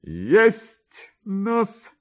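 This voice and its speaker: A man's voice: high voice, wildly swooping pitch, extremely slow, voice pushed up, exaggerated voice. A man voicing a vain, self-satisfied major in a radio reading, exclaiming and muttering smugly to himself. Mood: exultant. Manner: smug, exclamatory, talking to himself. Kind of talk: dramatised literary reading for radio.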